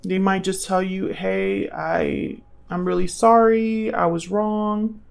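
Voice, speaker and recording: A woman giving a casual tarot reading, thinking aloud and speaking straight to the listener in a conversational way, with gravelly vocal fry. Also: mid-range voice, steady tone, takes it slowly. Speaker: tarot reader, channel host.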